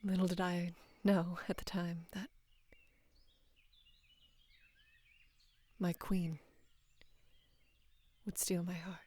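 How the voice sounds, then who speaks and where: Hushed, low-voiced devoted lady knight, acted by a woman. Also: level tone. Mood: tender, devoted. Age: young adult. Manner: hushed, breathy, halting and earnest. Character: devoted female knight, tender, anxious, in love with queen. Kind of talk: intimate roleplay audio, soft acted monologue.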